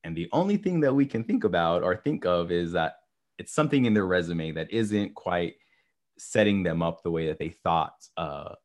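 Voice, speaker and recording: A man hosting an interview podcast, talking in a relaxed way with many fillers and often checking for agreement. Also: sits low, moderate pace. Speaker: podcast host.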